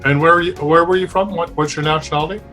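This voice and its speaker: A man hosting a live call-in show, speaking calmly and with conviction. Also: fairly high pitch, quick pace, faint music behind. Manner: calm, talks about curses and spiritual healing with conviction. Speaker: host.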